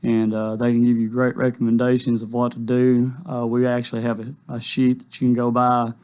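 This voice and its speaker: A man's voice: medium pitch, completely flat delivery, fairly quick, smooth, highs cut off. A man, a rental store guest on a radio interview, answering politely and eagerly. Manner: polite, eager, says "yes, sir".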